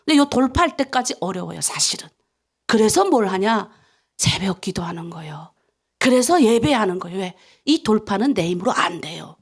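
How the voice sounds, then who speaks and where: A woman pastor giving a dawn prayer sermon, moving between hushed asides and loud, fervent prayer. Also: mid-range voice, normal speed, breathy edge. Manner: animated preaching, swings from hushed asides to shouted prayer.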